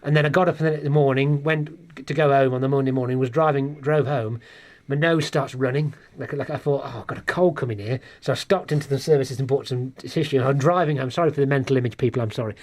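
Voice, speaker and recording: A man with a Black Country accent, a stand-up comedian telling stories as a guest, lively and full of restarts and acted-out quotes. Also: mid-range voice, fast talker, hardly any pauses. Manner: animated, restarts and acts out quotes. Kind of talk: casual storytelling chat. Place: pub.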